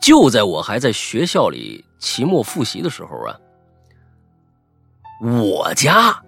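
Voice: medium pitch, huge pitch swings, slow, gravelly, fairly bright tone, faint music behind. A storyteller narrating a ghost story dramatically, often stammering and repeating words for suspense.

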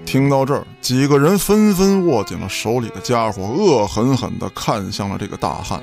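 A man's voice: mid-range voice, lively intonation, moderate pace, creaky, a little mellow, faint music behind. A man narrating an audio drama from a script in a dramatic storytelling style.

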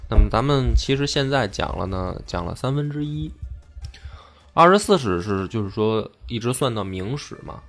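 A man hosting a casual history podcast, explaining deliberately and often rephrasing himself. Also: mid-range voice, animated, soft background music. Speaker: podcast host.

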